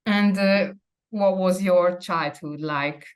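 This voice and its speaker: A woman with a slightly low voice hosts an online interview. She talks politely and warmly thanks her guest, pausing often with fillers as she searches for words. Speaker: interviewer, host. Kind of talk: interview host.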